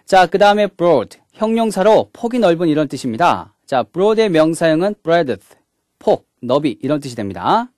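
A man's voice: a little high, big pitch swings, moderate pace, darkish tone, no room sound, studio quality. A man giving a recorded English grammar lecture, walking through each point step by step and opening each one with a short "자". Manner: mixes English words into the explanation.

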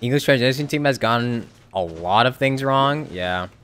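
A man's voice: mid-range voice, expressive, moderate pace, a bit bright, a little hiss or hum. A man giving casual live stream commentary as a game streamer, in a wry, joking manner. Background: game music.

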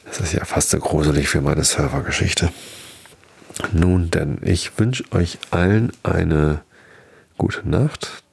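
Deep, gravelly bedtime story reader. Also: male voice. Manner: slow, calm, with small slips and fillers. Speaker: podcast host and reader.

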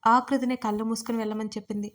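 A woman's voice: on the high side, flat delivery, racing, close to an everyday voice. A woman voicing a curious, sassy young woman in an audio story. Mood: innocent.

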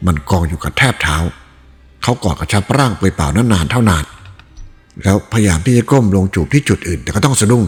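Low-voiced man reading a novel. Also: quick pace. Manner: expressive storytelling read. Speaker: narrator. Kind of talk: audiobook novel narration. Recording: reverberant room with faint music.

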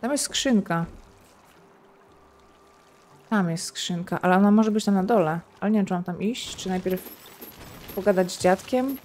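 A woman's voice: medium pitch, normal speed, pauses often, darkish tone, slight background noise. Chatty woman narrating her gameplay. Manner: chatty, thinks aloud, playful sound effects. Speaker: gaming streamer. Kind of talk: casual let's-play commentary.

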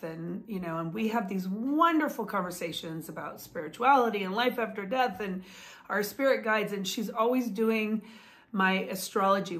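A woman in her fifties talking casually to camera at home, chatty and enthusiastic, gesturing with her hands as she talks. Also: mid-range voice. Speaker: vlogger and author. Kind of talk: casual talking-head vlog. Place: home room, indoors. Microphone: phone or webcam close up.

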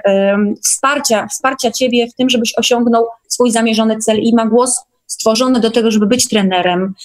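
A woman talks in a fairly high voice. She chats casually and puts emphasis on her points with open enthusiasm. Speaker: guest on an online meeting. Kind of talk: casual chat.

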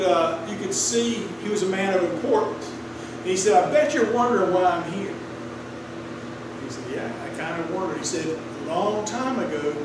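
A middle-aged male pastor with a high voice, preaching in an easy, storytelling way that draws replies from the pews. He is picked up from across a small wooden sanctuary, so the sound is very roomy and distant. A steady air-conditioner hum runs underneath. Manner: conversational storytelling preaching, asks the congregation for responses. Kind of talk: sermon. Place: small wood-paneled church sanctuary. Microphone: room mic from a distant camera. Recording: echoey room, distant mic, clear air-conditioner hum.

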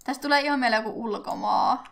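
A young woman with a somewhat high voice chats loosely through her gameplay. She giggles often and speaks straight to the characters on screen. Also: vocal fry. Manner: chatty, giggly, talks to her game characters. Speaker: gaming YouTuber. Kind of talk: casual Let's Play commentary.

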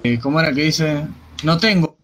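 A fairly high-voiced man chatting casually and joking in a game roleplay. Faint noise and clicks sit under his voice. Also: moderate pace, fairly bright tone. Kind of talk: GTA roleplay stream banter.

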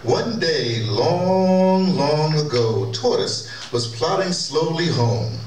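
A man's voice: a little high, lively intonation, slow, darkish tone, soft background music. Middle aged guy narrating a story, bit far from mic, echoey noisy hall. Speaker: narrator and presenter. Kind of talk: storytelling narration of an audio drama. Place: large wood-panelled conference hall, indoors. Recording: distant, echoey hall, clear background noise.

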